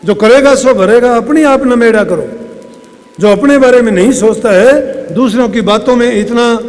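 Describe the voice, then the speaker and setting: A man's voice: very high-pitched, moderate pace, a little mellow, big-room sound. A man giving a devotional sermon, urging his listeners and acting out the dialogue in the stories he tells. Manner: exhorting, acts out quoted dialogue. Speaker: satsang preacher.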